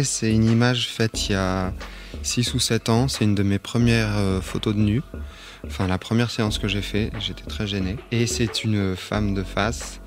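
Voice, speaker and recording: A man from Auvergne, a photographer speaking as a podcast guest in a reflective, hesitant way, full of fillers and restarts. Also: fairly low pitch. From Auvergne, France. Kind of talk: reflective interview talk.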